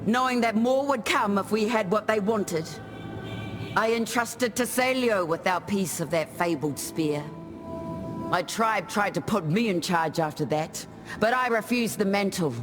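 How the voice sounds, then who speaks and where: A woman's voice: mid-range voice, natural voice. A woman playing a stoic, resolute tribal warrior in a video game, speaking solemnly and matter-of-factly. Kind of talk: scripted video game character monologue.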